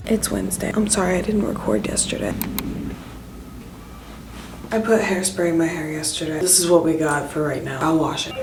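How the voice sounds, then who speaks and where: A young woman in her twenties vlogging in a casual, upbeat, rambling way, a little hoarse from a head cold. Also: deep voice, fairly even intonation, normal speed, pauses often, over music. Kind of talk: casual vlog chat to camera.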